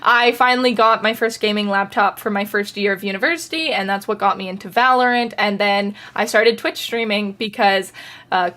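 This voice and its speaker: A woman's voice: medium pitch, moderate pace, bright, forceful tone. A woman in her early twenties, a podcast guest telling stories in a giggly, rambling way. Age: 20s. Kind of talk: casual chat.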